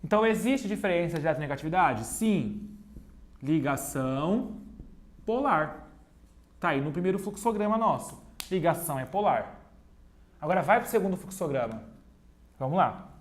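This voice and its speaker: A man's voice: on the high side, animated, moderate pace, long pauses. A man teaching a chemistry video lesson at a digital whiteboard. He repeats key points step by step, talks straight to his students and slips in playful jokes at his own expense. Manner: playful, cracks jokes and teases himself between explanations.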